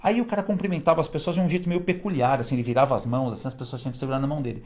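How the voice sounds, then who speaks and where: A man, a guest telling stories in a casual, animated way and laughing between them. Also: medium pitch, very fast. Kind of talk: casual storytelling.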